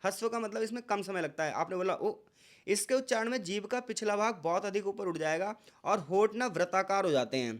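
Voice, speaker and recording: A man tutoring students for an exam in a casual, repetitive lecture style, calling them "bhai" and stretching out example sounds slowly. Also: high-pitched, animated. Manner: conversational, repeats points, addresses students as bhai.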